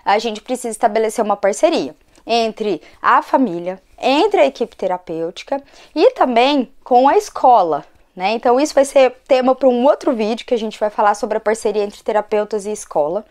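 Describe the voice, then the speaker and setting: Woman, hoarse, slightly high voice, conversational lesson, tag questions. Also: animated, moderate pace, a little mellow. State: hoarse from a cold. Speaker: occupational therapist and channel host. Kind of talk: educational talk to camera.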